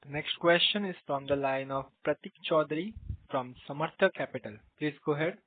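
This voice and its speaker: A man's voice: fairly high pitch, fairly quick. A man moderating a conference call, formally introducing each questioner in scripted phrases. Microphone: conference phone call. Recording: narrow tinny phone line.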